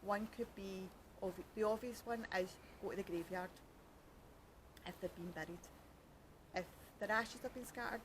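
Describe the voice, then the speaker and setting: A woman's voice: medium pitch, background noise. Chatty Glaswegian woman outdoors. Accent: Glaswegian Scottish. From Scotland. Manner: chatty, joking, self-mocking, rambling. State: cold, fingers freezing. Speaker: podcast host. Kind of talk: casual chat. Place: outdoors by a canal at night.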